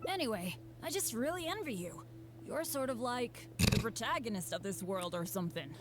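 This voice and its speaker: A woman's voice: on the high side, animated, moderate pace, heavy background noise, close to an everyday voice. A woman voicing an eager, unlucky, self-deprecating teenage boy adventurer in a video game, with an earnest, boyish, hesitant delivery. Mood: admiring. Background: game music.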